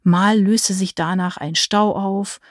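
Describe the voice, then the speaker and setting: A woman reading a dark fairy-tale story in first person, measured and vivid. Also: mid-range voice, fairly even intonation, no echo, clean studio sound. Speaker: audiobook narrator. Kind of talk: scripted first-person narration.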